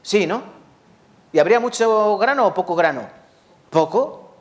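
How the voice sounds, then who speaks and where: A man delivering a sermon in a fairly high voice. He speaks straight to his congregation, firing off rhetorical questions and answering them himself. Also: measured pace. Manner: rhetorical questions, lively rises and drops; addresses congregation directly. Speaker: pastor.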